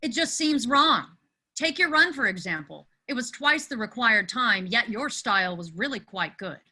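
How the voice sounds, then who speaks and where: A woman's voice: on the high side, expressive, moderate pace, pushed and bright, heavily acted. A woman playing an earnest, lovelorn teenage boy in a comic screenplay table read. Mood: indignant.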